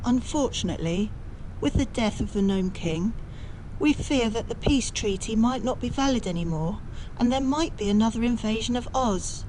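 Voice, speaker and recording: A woman's voice: a little high, expressive, normal speed, darkish tone, a little hiss or hum, lightly acted, low-quality recording. A woman playing an earnest good witch who explains things in an amateur audio drama.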